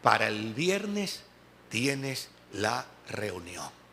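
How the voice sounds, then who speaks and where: A man's voice: lowish voice, sing-song, drawn-out words, gravelly, bright, forceful tone, a little hiss or hum. A man with a Dominican Spanish accent, a pastor giving a sermon as a personal testimony, telling his story and acting out the voices of the people in it. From Dominican Republic. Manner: storytelling, acting out quoted dialogue. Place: church service.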